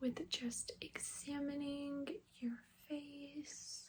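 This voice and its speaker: A soft-spoken woman talks in a high voice. Her intonation stays fairly even. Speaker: ASMR creator. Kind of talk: ASMR roleplay personal attention. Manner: soft-spoken, friendly.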